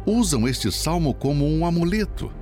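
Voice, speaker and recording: A man giving a scripted sermon narration in a solemn, admonishing way with dramatic pauses. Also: fairly high pitch, animated, mellow. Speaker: preacher narrator. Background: music.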